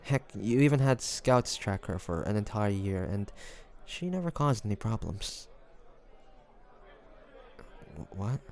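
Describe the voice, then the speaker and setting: Man acting as a low, gravelly devoted fantasy adventurer. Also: lively intonation, measured pace, pauses often, some chatter behind. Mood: guarded, shocked, determined. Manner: intimate, earnest, with breathy sighs. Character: devoted fantasy adventurer and healer, tender toward his dragon beloved. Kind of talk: dramatic audio roleplay addressed to the listener.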